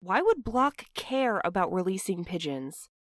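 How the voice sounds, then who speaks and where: A woman's voice: mid-range voice, very animated, a little slow, no echo, studio quality. An actress playing a guarded, exasperated and sarcastic woman in an audio drama, speaking bluntly. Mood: bitter, distrustful. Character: exasperated, guarded, sharp-tongued woman facing her double. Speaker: fiction podcast actor.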